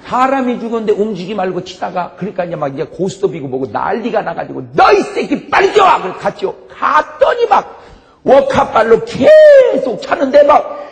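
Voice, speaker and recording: Male pastor, high and very animated, joking storyteller in a reverberant church hall. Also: moderate pace, gravelly. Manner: animated storytelling with frequent laughs and shouted punchlines. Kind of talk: humorous revival sermon. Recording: long hall reverb, faint background noise.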